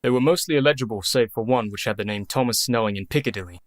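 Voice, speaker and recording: An actor playing a methodical young doctor in a radio play, brisk and matter-of-fact. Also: male voice, mid-range voice, dry recording, clean studio sound, close to an everyday voice. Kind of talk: community radio play acting.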